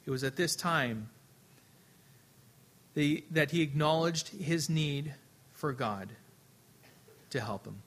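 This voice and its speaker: A man preaching a sermon earnestly, his voice swelling louder and then dropping soft, often repeating words as he restarts. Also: fairly high pitch, slow, pauses often. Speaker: pastor.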